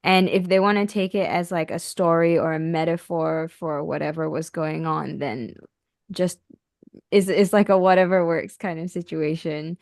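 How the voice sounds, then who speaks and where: Low-voiced woman chatting, dry sound. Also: steady tone, normal speed, gravelly, darkish tone, dry recording. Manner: thoughtful, chatty, many fillers. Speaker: podcast co-host, healer. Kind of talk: casual conversation.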